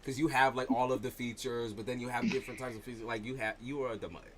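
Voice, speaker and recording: A man's voice: medium pitch, steady tone, fast, a crowd in the background, rough recording. A man with a slight lisp hosting a livestream, chatting loosely and swearing in casual banter. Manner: loose, profane, laughing banter. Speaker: tarot livestream host. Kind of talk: casual chat.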